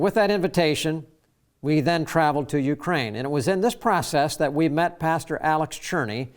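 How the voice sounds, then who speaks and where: Slightly high-voiced talk show host. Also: male voice. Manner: reads a letter aloud, then interviews with fillers. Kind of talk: broadcast talk show hosting.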